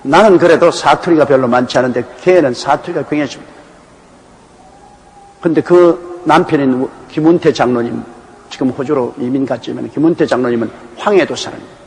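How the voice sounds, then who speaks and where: A man's voice: mid-range voice, a little fast, a little mellow. A man from Korea's Gyeongsang province, a pastor giving a Bible exposition sermon in a folksy, anecdotal storytelling manner. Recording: echoey hall with faint background noise.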